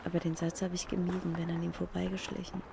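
A woman's voice: on the low side, monotone, fast talker, gravelly. A woman speaking an intimate first-person literary narration, addressing an absent person directly, outdoors on a city street. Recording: loud street and traffic noise.

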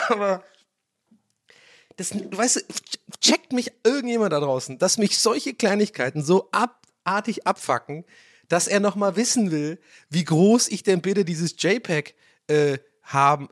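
A young man, slightly hoarse, hosting his own podcast from a room at home and ranting in a casual, swearing way. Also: high-pitched. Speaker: podcast host. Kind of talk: casual solo podcast monologue. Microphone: own studio mic.

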